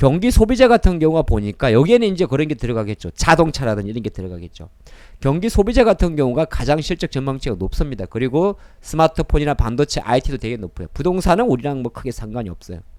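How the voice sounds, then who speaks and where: A man's fairly high voice, very fast, with very wide pitch swings and big swings in loudness, on a very clean recording with a silent background. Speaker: stock market educator. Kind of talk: market commentary lecture. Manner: clear articulation.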